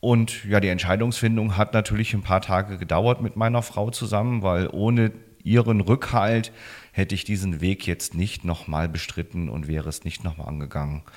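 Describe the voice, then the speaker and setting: A man with an ordinary speaking voice, fairly low pitch and ordinary pitch variation, at a moderate pace, on a very clean recording with a silent background. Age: 40s. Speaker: mayoral candidate, town official. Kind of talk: interview. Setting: town hall office.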